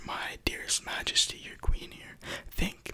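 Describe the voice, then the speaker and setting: Someone whispers in a relaxed tone at a fairly slow pace, with noticeable background noise. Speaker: ASMR creator. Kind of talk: Shakespeare play reading. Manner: soft, relaxed.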